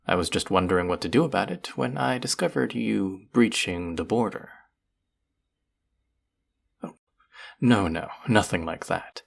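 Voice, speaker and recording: A man's voice: fairly low pitch, creaky, exaggerated voice. A man playing a cruel, powerful, vain sorcerer in a fantasy audio roleplay, speaking to the listener in a theatrical, menacing drawl. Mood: musing, menacing.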